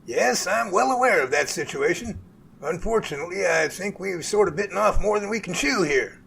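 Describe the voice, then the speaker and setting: A man's voice: high voice, expressive, normal speed, gravelly, fairly bright tone, slight background noise, full character voice. A man playing a weary, folksy professor who runs a Bigfoot lab, in an amateur audio drama with an easygoing delivery. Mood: curious, friendly.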